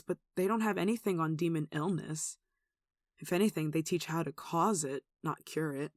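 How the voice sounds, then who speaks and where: A performer playing a gentle, protective nun in an ASMR roleplay, speaking in a tender, soothing and wistful way. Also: mid-range voice, dry recording, clean studio sound, natural voice. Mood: worried, somber. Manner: tender, soothing, wistful, with sighs and soft chuckles. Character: gentle, protective young nun caring for a sick demon. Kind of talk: ASMR roleplay, soft intimate acting.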